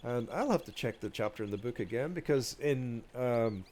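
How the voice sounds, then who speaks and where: A man's voice: medium pitch, animated, moderate pace, a little mellow. A man with a stuffy, nasal voice from a cold, rambling hesitantly as he hosts a walk-along video, with many ums and restarts. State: stuffy nose from a cold, coughing. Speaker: video host.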